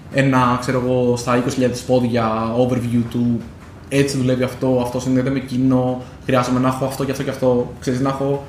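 A man co-hosting a podcast, chatting casually and circling back with fillers and restarts. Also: medium pitch. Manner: rambling, many fillers and restarts. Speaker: podcast co-host. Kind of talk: casual chat. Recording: echoey room with faint noise.

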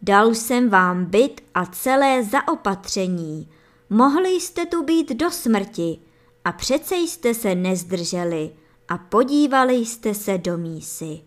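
A woman's voice: medium pitch, lively intonation, close to an everyday voice. A woman reading aloud voices a stern rich lord who passes judgment in a storybook tale. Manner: stern, measured pronouncements.

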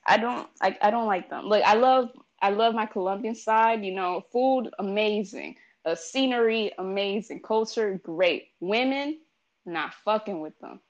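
A young woman in casual chat, blunt and profane, talking in an animated way. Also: mid-range voice, measured pace, lo-fi sound. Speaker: interviewee. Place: New York.

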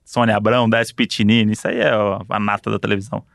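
A man's voice: lowish voice, little pitch movement, fast, gravelly, a bit bright, no echo, studio quality. A man co-hosting a casual chat, reading out quiz options and joking around playfully. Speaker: podcast co-host.

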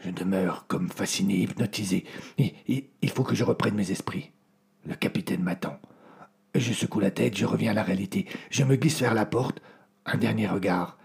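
A man narrating a story in a hushed, suspenseful way. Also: lowish voice, normal speed, vocal fry, breathy edge.

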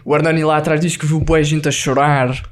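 A man telling a lively travel story on a casual podcast, peppered with slang and English words. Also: fairly high pitch, brisk.

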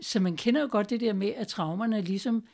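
A woman's voice: medium pitch, creaky, darkish tone. A woman guest in a conversation, explaining her views and often checking in with tag questions. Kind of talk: reflective conversation.

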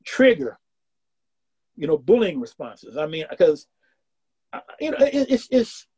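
A man of about sixty from the American South speaks in a slightly high, dark, somewhat rough voice with wide swings in pitch and an unhurried pace. He's an academic guest in a casual interview, talking earnestly and restarting phrases as he thinks aloud.

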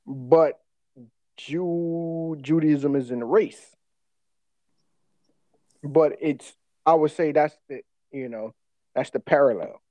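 A man's voice: fairly high pitch, no room sound, dull audio. A man with an African American English accent chatting casually as a podcast co-host, telling stories in profane slang. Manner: slangy, profane, quick to laugh. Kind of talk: casual chat, personal storytelling.

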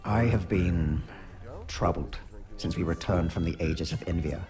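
A man playing a solemn, troubled alien warrior in a science fiction audio drama, speaking in formal, measured phrases. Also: deep voice, darkish tone, natural voice. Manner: formal, measured, stilted wording. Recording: music under the voice.

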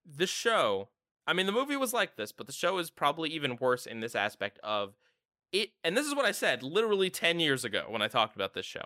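A man hosting a casual podcast discussion, ranting in an animated, exasperated way with lots of "like" fillers. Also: fairly high pitch, a little fast, dry recording, studio quality. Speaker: podcast host.

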